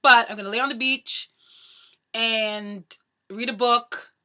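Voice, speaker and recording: A woman in her thirties talks straight to her viewers in a loose, chatty vlog. Her voice is bright and forceful. She rattles along at a quick clip with a playful, joking manner. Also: a little high, steady tone. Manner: talks very fast. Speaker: vlogger. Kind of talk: casual chat to camera.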